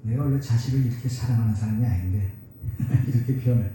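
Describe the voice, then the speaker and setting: A man in his seventies preaching a sermon as pastor, telling homely stories and rising suddenly to loud emphasis. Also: medium pitch, quick pace, a little hiss or hum. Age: 70s. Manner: folksy storytelling with sudden loud rises. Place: church sanctuary. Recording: echoey church hall, mic far off.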